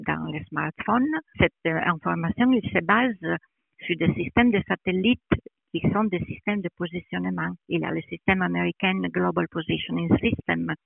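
A woman who is not a native French speaker, explaining in an interview with a foreign accent in French, haltingly searching for words. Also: on the low side, gravelly, dry recording, narrow, tinny audio. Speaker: interviewed metrology department director.

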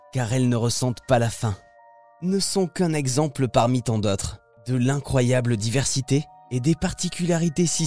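A man's voice: medium pitch, darkish tone. A man hosting on radio, delivering scripted narration in the manner of a nature documentary. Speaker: radio host.

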